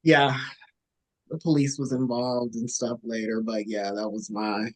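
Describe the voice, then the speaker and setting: A woman co-hosting a podcast, telling a story casually and acting out quoted lines in a high squeaky voice. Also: level tone, unhurried, darkish tone. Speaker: podcast co-host.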